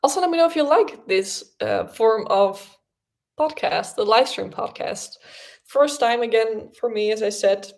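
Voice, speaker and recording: A woman's voice: fairly high pitch, measured pace, creaky. Young woman host, native Dutch speaker, loose chatty delivery with fillers and restarts. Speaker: podcast host. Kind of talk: casual livestream chat.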